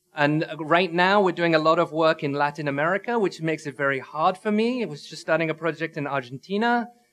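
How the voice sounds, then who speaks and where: A man with a British accent, fairly high pitch and moderate pace. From South London, England. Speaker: architect and humanitarian NGO co-founder. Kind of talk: lecture. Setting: public lecture with audience. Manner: casual, conversational with fillers.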